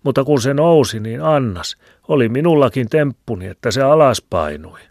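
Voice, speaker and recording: A man's voice: mid-range voice, expressive, a little mellow, no room sound, pitched above the performer's own voice. A man voicing a stubborn, grumbling old village shoemaker with a rambling, folksy way of talking, in a dry close recording. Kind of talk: audiobook reading. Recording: dry close studio sound.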